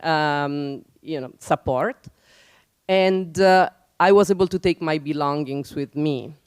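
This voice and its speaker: A woman's voice: low voice, smooth, no room sound. A middle-aged woman from Italy with an Italian accent, giving a personal, informal public talk as a guest speaker in reflective, hesitant phrasing. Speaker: guest speaker, nonprofit office director.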